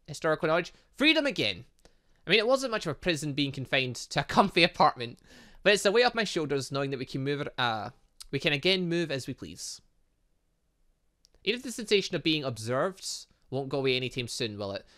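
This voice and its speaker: A man's voice: a little high, sing-song, a little fast, bright, forceful tone. A man chatting his way through a visual novel, thinking aloud and reading game text with playful little sound effects. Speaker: gaming YouTuber.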